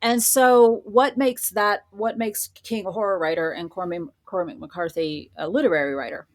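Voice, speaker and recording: A woman's voice: mid-range voice, fairly even intonation, normal speed. A woman speaking as a podcast guest, a writer and professor, giving articulate, explanatory answers in a conversational interview.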